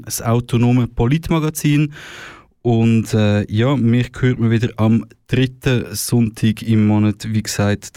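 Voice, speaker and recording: A young man hosts a radio music show into a studio microphone, taking his time and speaking slowly. His voice is mellow and soft-edged, and he hesitates often with filler sounds. The sound is dry and close. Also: medium pitch, no echo. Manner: laid-back, halting, many filler sounds. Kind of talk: casual radio music presenting.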